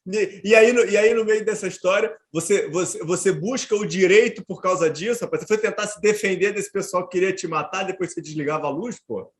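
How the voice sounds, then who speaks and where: A man's voice: high-pitched, brisk, few pauses. A man hosting a podcast, asking his guest questions in a loose, informal way. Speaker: podcast host. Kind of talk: casual interview conversation.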